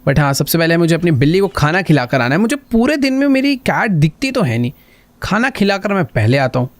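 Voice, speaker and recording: A man giving chatty, excitable commentary while playing a game, constantly talking to his viewers. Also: a little high, brisk, dry recording. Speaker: gaming channel host. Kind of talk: live gameplay commentary.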